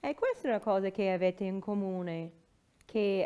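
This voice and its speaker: This woman has an American accent. Her tone is dark and mellow. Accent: American accent in Italian. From California. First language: English (speaking Italian). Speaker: opera singer; interviewee. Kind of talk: interview. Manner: halting. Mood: warm, reflective, animated. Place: home room.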